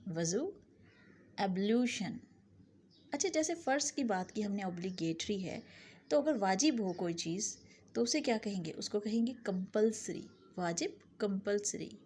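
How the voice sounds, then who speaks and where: A woman teaching English vocabulary, saying each word pair twice and the English words slowly. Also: mid-range voice, expressive, a little mellow, a little hiss or hum. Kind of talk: vocabulary lesson.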